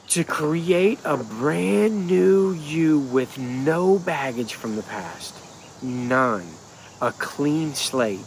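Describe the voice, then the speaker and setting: A man's voice: mid-range voice, a little hiss or hum. A middle-aged man with a stuffed-up, nasal voice, talking casually and animatedly to a camera at arm's length outdoors, rambling and restarting his sentences. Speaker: spiritual healer. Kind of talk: casual vlog monologue. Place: outdoors in a wooded yard. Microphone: phone or camera at arm's length.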